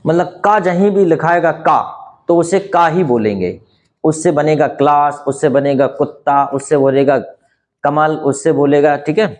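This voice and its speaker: A man whose first language is Hindi, teaching a spoken English lesson and explaining slowly with many rhetorical questions. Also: a little high, a little mellow.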